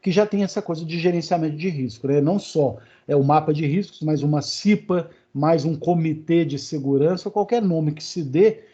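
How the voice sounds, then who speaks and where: A man's voice: on the high side, normal speed, hardly any pauses, mellow, slightly rough. A man with a Brazilian Portuguese accent giving a live online lecture, talking casually with many fillers and check-ins with his students. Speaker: university lecturer. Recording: dull, lo-fi online class audio.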